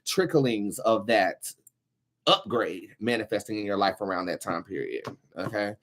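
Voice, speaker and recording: A man's voice: lowish voice, lively intonation, unhurried, a bit bright, slight background noise. A man hosting a casual tarot reading, chatting to viewers in a brash, sassy, freely swearing way. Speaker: tarot reader, show host.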